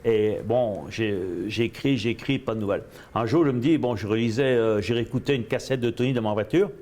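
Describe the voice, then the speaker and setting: A man, a guest coach telling his story in an interview, animated and repetitive, slipping in English phrases. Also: medium pitch, a little fast. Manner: animated, repeats himself, drops English phrases.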